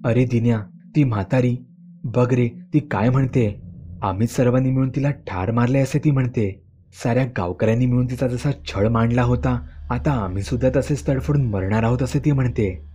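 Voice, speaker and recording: A man's voice: mid-range voice, normal speed, dark tone, slightly rough, lightly acted. A man voicing an agitated, frenzied old father in a horror story, telling his son what a ghost is saying. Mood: frantic. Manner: agitated, pleading.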